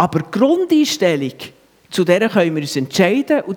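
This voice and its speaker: High-pitched male speech with noticeable background noise throughout. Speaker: preacher. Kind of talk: sermon at a confirmation-class graduation, addressing a young man directly. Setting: church. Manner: earnest, warm, encouraging, conversational with light humor; fairly even, didactic pace, explaining biblical images and repeating key points.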